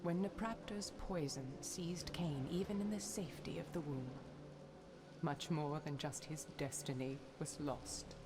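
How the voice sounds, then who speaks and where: A woman's voice: low-pitched, background noise. An actress playing a sorrowful, bitter female ghost in a video game, speaking in solemn, formal phrases. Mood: mournful. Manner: solemn, slow, mournful formal diction. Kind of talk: dramatic video game dialogue.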